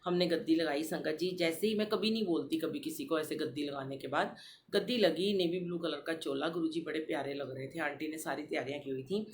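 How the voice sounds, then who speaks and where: A middle-aged woman hosting a devotional podcast, telling a personal story in an animated way and addressing the listeners directly. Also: low voice, fairly quick, a little hiss or hum. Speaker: satsang podcast host.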